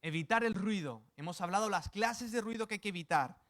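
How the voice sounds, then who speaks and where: A man's voice: high-pitched, animated, fairly quick, a bit bright. A man from Spain preaching a sermon, with playful asides and acted quotes. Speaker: pastor.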